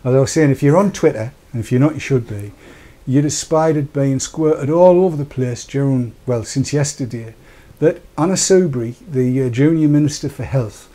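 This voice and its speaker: An older man hosting a casual studio chat, croaky after dental work, jokey and rambling. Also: medium pitch, moderate pace, hardly any pauses, dark tone. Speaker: host. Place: small studio with dark backdrop. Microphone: lapel.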